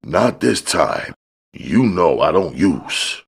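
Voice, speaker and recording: A man's voice: sits low, very animated, slow pace, vocal fry, husky, pitched above the performer's own voice, heavily acted. A man voicing a cocky, self-assured street dealer in slangy audiobook dialogue. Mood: cool, guarded. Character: cool, cocky young male street dealer.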